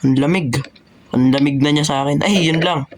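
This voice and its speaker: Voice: mid-range voice, steady tone, moderate pace, crowd noise. A young speaker jokingly narrating a game role-play in casual chat, teasing a friend throughout. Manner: joking, teasing banter, calling others "boy". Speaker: gamer doing role-play commentary.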